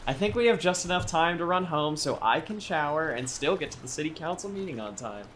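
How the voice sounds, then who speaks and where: A man's voice: fairly high pitch, expressive, brisk, fairly bright tone, a little hiss or hum. A man playing a good-humoured, busy working man in an audio drama.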